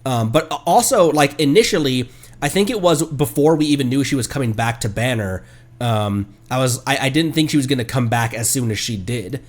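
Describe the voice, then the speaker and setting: A man giving casual livestream gameplay commentary, halting as he thinks aloud. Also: medium pitch, lively intonation. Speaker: game streamer. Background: game music.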